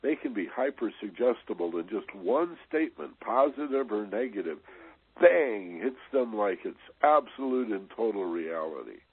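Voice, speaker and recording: A man's voice: on the low side, animated, moderate pace, slightly rough, no room sound. A man hosting a motivational radio talk, chatting conversationally and often dropping in "you know" and "right?". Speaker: radio host. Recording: tinny, dry, band-limited radio sound.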